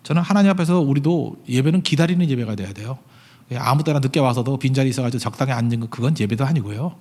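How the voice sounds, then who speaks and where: A middle-aged man preaching a sermon in a chatty, conversational way, with many rhetorical questions and sudden loud, emphatic peaks. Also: medium pitch, fast. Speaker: pastor.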